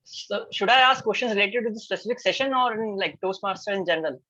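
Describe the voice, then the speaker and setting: Male participant, high voice, hesitant, muffled call audio. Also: quick pace, bright, forceful tone. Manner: hesitant, uses "like" often. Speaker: session participant. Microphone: video call.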